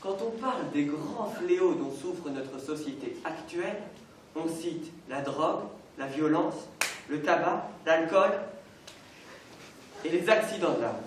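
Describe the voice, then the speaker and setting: A man's voice: a little high, animated. A young man playing a male head of state giving a solemn, formal address in a school stage play. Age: teenage. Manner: slow, solemn, oratorical. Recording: echoey hall from far off, faint noise.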